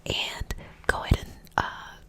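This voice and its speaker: A woman speaking in a breathy, unvoiced whisper, giving gentle, encouraging ASMR talk as a host and energy healer. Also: unhurried.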